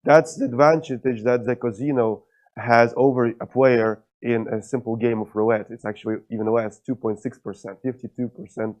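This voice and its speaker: A man's voice: mid-range voice, steady tone, normal speed, darkish tone. A man with a Russian accent giving a conference lecture, with many "uh" fillers and dry humor. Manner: frequent "uh" fillers, wry humor. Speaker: scientist giving a conference talk. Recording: lo-fi dull sound.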